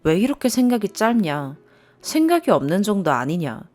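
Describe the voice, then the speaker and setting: A woman voicing an irritable young woman who scolds her boyfriend in a sharp, sarcastic tone. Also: mid-range voice, big pitch swings, moderate pace, close to an everyday voice. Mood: scolding.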